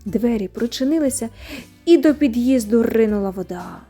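A woman narrating a children's bedtime story with a gentle, expressive reading. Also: fairly high pitch, moderate pace, soft background music.

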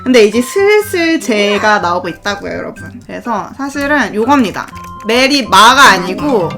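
A young woman chatting on a livestream in a cute anime streamer manner, playful, giggly and animated. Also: medium pitch, moderate pace. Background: music.

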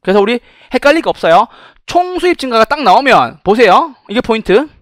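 A man lecturing for a real estate exam prep course, animated, who keeps asking the class rhetorical questions and answering them himself. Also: very high-pitched, brisk, dry recording, studio quality.

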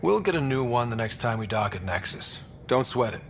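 Young explorer leader: steady, plain-spoken video game hero, mid-pitched, expressive range. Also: male voice, fairly quick, a little hiss or hum. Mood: easygoing. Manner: casual, direct. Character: young male space explorer commander, steady, direct. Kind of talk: video game cinematic acting.

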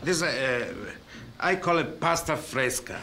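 A man who owns a restaurant, haltingly explaining his dish using Italian food words. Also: mid-range voice, animated, pushed and bright, a little hiss or hum. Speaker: restaurant owner and chef.

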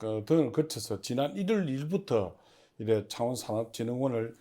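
A man giving formal, prepared interview answers as an agency official, in measured and stiffly official phrasing. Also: mid-range voice, warm tone. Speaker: head of a public industry agency, interview guest.

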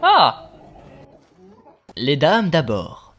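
A man's voice: on the high side, huge pitch swings, extremely slow, a bit bright, slight background noise, exaggerated voice. A man voicing a cheeky, sarcastic rabbit in a cartoon fan dub, flippant and mocking.

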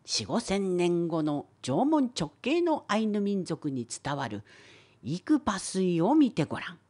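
Woman voicing a husky, creaky wise old professor. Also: lowish voice, darkish tone. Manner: old-scholar speech, wry, lecturing. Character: wise old professor of archaeology, opinionated and patient. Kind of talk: scripted educational cartoon dialogue.

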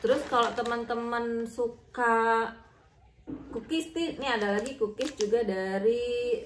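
A woman's voice: a little high, fairly even intonation, measured pace. A young woman giving a casual, chatty review of diet foods, with frequent fillers and self-corrections, filmed on a camera across a table indoors. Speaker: vlogger reviewing diet products. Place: indoor room. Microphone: fixed camera at table distance. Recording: echoey room, faint noise.

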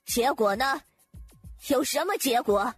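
A woman acts an imperious, indignant wife of a powerful man in an audiobook drama. Her husky voice is cold, haughty and sarcastic, over faint music. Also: high voice, unhurried, no room sound.

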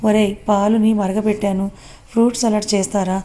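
A woman's voice: medium pitch, flat delivery, brisk, mellow, close to an everyday voice. Woman voicing a fretful young male friend. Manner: scolding, pleading.

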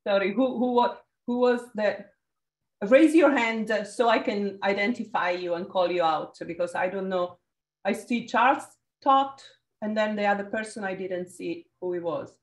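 A woman with an Italian accent leading a group video call, energetic and encouraging as she calls on participants. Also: medium pitch, roomy sound. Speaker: workshop facilitator.

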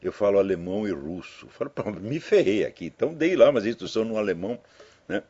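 An older man talks to his listeners in a loose, anecdotal commentary, tossing in tag questions as he goes. His voice is husky and his pitch swings widely. The audio is dull and lo-fi. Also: very animated, fast, mellow. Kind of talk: casual spoken commentary.

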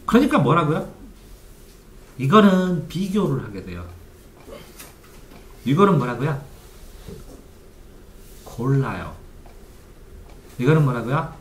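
A male study coach walks through his method step by step, often posing questions and answering them himself. His pitch moves in a lively way. The recording sounds echoey, with faint noise underneath. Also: takes it slowly, long pauses.

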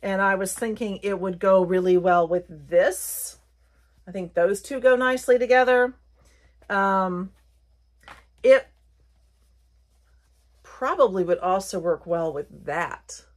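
Middle-aged woman, light Southern US accent, medium pitch, casual haul-vlog chat, rambling, self-correcting. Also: slow pace, pauses often. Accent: light Southern American. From Virginia, United States. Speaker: haul and craft vlogger. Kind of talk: casual chatty haul video.

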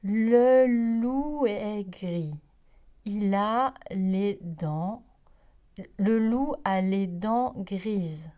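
A woman's voice: mid-range voice, lively intonation, brisk, warm tone, natural voice. A woman voicing a hungry, proud male wolf who grumbles and boasts in a children's storybook reading. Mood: slow halting reading.

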